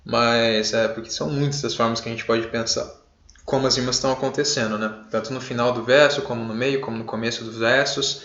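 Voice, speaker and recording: A laid-back Brazilian male teacher gives an online class lecture in a mid-range voice with a Brazilian Portuguese accent. He's casual and full of fillers, checks in with "beleza?", and shouts jokey examples. The room is echoey, and the muffled lo-fi mic gives a roomy, dull sound.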